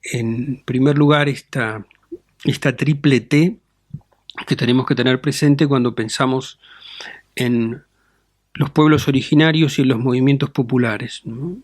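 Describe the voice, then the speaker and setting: A middle-aged man speaks as a bishop in an interview, calm and deliberate, often ending phrases with a questioning tag. His voice sits at an ordinary pitch and is recorded dry and close. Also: no room sound. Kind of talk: measured interview answers.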